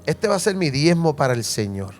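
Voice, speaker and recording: With a fairly high voice and a slightly quick pace, this Puerto Rican pastor animatedly recounts his own testimony during a sermon and poses questions to the congregation. There's slight background noise.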